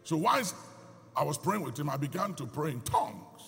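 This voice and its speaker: A man's voice: on the high side, expressive, normal speed, vocal fry, big-room sound, noisy background. A man preaching a sermon, telling stories with emphasis as he teaches.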